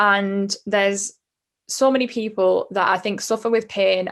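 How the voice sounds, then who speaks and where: With a Northeast English accent, a woman speaks at medium pitch in a monotone, flat intonation. The recording is very clean, with a silent background. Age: 20s. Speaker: paediatric nurse. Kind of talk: personal testimony to camera. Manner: hesitant, many fillers.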